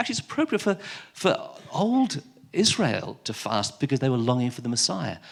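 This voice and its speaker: With vocal fry and very wide pitch swings, a man talks at a fairly quick pace. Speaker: church leader, preacher. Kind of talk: sermon. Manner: conversational, halting with repeats.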